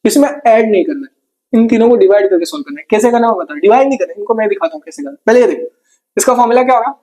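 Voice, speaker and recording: A man teaching a rapid exam revision lesson in a casual, brotherly tone. He asks questions, answers them himself and adds jokes and memory tricks. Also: very high-pitched, expressive, a little mellow.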